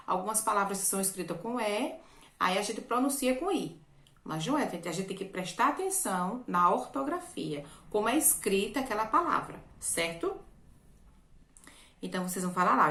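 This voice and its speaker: A woman's voice: medium pitch, a bit bright, reverberant. A woman, a primary school teacher explaining a workbook lesson to children patiently, repeating herself and often checking "certo?".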